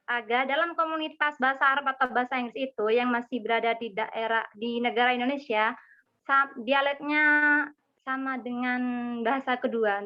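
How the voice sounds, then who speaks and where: A woman's voice: high voice, muffled recording. A young woman with a Madurese accent, a student politely asking a rambling, hesitant question in an online class.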